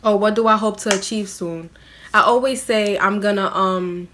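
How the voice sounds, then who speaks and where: A woman's voice: medium pitch, steady tone, moderate pace, fairly bright tone. A young woman from the US answering viewer questions to camera in a small room, blunt and casual, full of "like" fillers. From United States. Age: young adult. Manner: blunt, casual slang-heavy, many "like" fillers. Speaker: vlogger.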